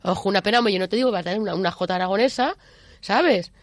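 A woman's voice: mid-range voice, very fast, dry recording. A woman with an accent from Spain, chatting candidly and emphatically as an interview guest, often repeating herself. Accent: Spanish, from Spain. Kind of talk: candid, chatty personal testimony.

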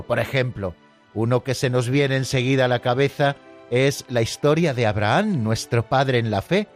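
A man's voice: a little high, a little mellow. A man hosting a radio catechism program, explaining earnestly and addressing his listeners directly.

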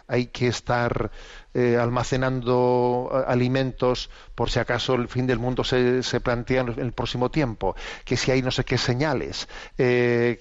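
A man delivers spoken religious commentary in a measured, teacherly manner, often checking in with short tag questions and asking rhetorical questions. His voice sits at an ordinary middle pitch. The recording is slightly dull and lo-fi, with the sound of radio. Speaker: host of a religious commentary program.

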